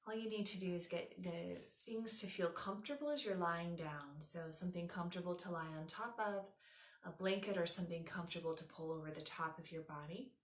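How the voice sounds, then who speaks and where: A woman with a fairly low voice leads a guided relaxation as a yoga teacher. Her delivery is soothing and unhurried, giving gentle step-by-step instructions. The recording has a clearly roomy echo around her voice. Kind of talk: guided meditation.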